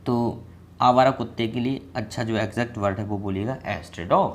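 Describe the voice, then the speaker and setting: A man's voice: medium pitch, slight background noise. Chatty Hindi-accented man teaching English. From India. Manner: chatty and joking, repeats example sentences slowly. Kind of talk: casual spoken English lesson.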